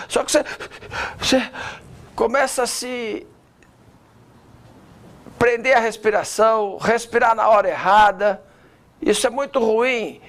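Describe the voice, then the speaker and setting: Animated man teaching public speaking. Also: sits high. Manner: animated, varies pace and loudness to demonstrate; addresses the viewer directly with quick rhetorical objections. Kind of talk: online lesson on public speaking.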